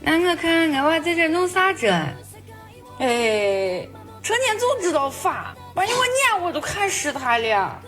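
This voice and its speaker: A woman's voice: very high-pitched, big pitch swings, extremely slow, a bit bright, soft background music, exaggerated voice. A woman voicing a nagging, complaining mother in a video game. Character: nagging regional Chinese mother.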